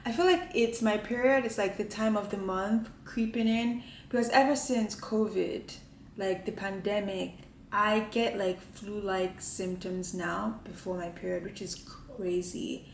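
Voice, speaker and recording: A woman's voice: mid-range voice, steady tone, unhurried, a little hiss or hum. Chatty woman vlogging in an echoey kitchen. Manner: chatty, rambling, many "like" fillers. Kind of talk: casual chat to camera. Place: home kitchen at the counter. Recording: echoey room with faint ambience.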